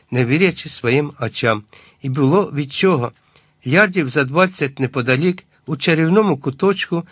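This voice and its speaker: A man reading a first-person adventure novel aloud as scripted audiobook narration, measured and even. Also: on the high side, breathy edge, no room sound, clean studio sound.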